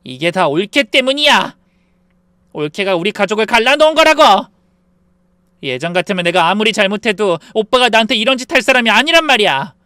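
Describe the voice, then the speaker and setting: A man's voice: very high-pitched, lively intonation, moderate pace, sharp tone, clean tone, no echo, clean studio sound, voice pushed up, exaggerated voice. A man voicing a spiteful young sister-in-law who shrieks and begs by turns. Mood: shrill fury.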